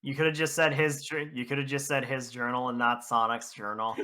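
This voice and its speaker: A young man co-hosting a comic reading, riffing and joking in an animated, mock-indignant way. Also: mid-range voice, a little fast. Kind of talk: comic banter and dramatic reading.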